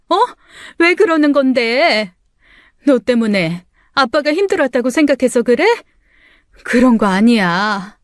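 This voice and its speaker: Story-radio figure: middle-aged mother, tearful and pleading, raised high voice, played by a woman narrator. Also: no room sound, clean studio sound.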